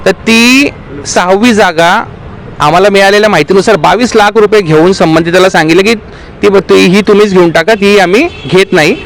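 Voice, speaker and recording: A man's voice: high voice, normal speed, low-quality recording. A man, a local party official, making an earnest, aggrieved statement to the press and appealing to party workers.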